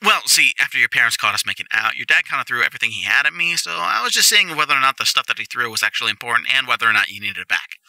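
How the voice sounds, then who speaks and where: Casting: male actor as goofy, reckless young jock boyfriend for roleplay audio, eager rambler, very bright, hugely animated delivery. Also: medium pitch, rapid-fire, vocal fry, few pauses, no room sound, exaggerated voice, low-quality recording. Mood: sheepish, casual.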